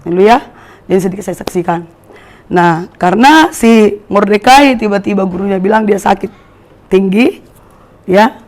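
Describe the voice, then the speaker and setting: A woman giving a testimony in a church service, animated, swinging from soft asides to loud exclamations and often checking with the congregation. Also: mid-range voice, normal speed, pauses often. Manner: animated, keeps asking the congregation "ya kan?". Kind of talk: testimony sermon.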